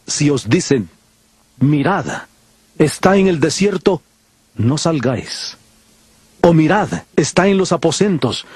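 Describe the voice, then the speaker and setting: A man playing Jesus as a solemn, measured teacher warning his disciples in a dramatized audio Bible. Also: on the high side, darkish tone, slightly rough.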